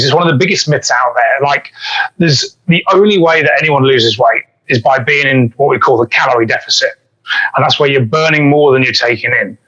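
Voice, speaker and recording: A man's voice: on the high side, fairly bright tone, husky, dull audio. A man, a fitness coach chatting on a podcast and telling stories with frequent restarts. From England. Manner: chatty, self-correcting storyteller. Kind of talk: casual podcast storytelling.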